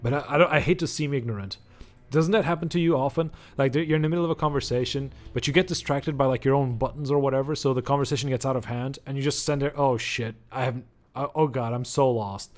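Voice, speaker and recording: A man's voice: medium pitch, quick pace, faint music behind. A young Portuguese man with a Portuguese accent, rambling and joking as he streams a game. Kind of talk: let's-play commentary.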